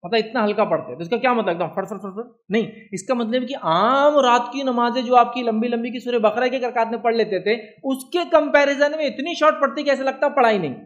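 With an extremely high, somewhat bright voice, a man with an Indian Hindi-Urdu accent speaks briskly and with hardly any pauses in an Islamic religious lecture, recorded in lo-fi sound. He stays conversational, often asking "do you understand?"

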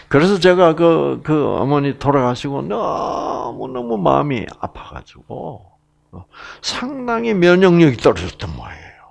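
A middle-aged man with a Gyeongsang Korean accent, giving a Bible lecture in a chatty storytelling way with many fillers and asides. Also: medium pitch. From Gyeongsang province, Korea. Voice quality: gravelly and husky. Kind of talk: relaxed anecdotal Bible lecture.

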